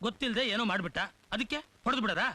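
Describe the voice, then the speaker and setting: A scornful, strict schoolteacher who snaps out names and scolding in rapid bursts. His voice is bright and pointed, with a cutting, brusque manner. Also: high-pitched, full character voice, rough recording. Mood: angry scolding. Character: harsh strict male schoolteacher, grown man, scornful. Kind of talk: dubbed film drama acting.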